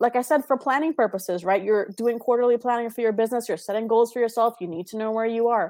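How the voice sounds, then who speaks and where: A woman talking at a very fast pace with hardly any pauses, ordinary pitch variation, and a very clean recording against a silent background. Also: fairly high pitch for a woman. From Trinidad. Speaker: money strategist. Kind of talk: interview.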